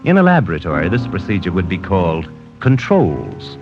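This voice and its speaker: A cold, clinical killer recounts his plan in a deep, low voice, calm and clipped. The sound is a dull old radio broadcast with music underneath. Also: normal speed, creaky, full character voice. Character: cold, precise male killer keeping a diary. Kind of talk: 1940s radio drama narration.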